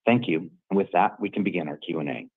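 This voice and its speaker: A low, rough-edged male voice comes over a narrow phone-like line. He is an operations executive presenting prepared remarks on an earnings call in a formal manner. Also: animated, fast. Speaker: chief operating officer. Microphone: conference call line.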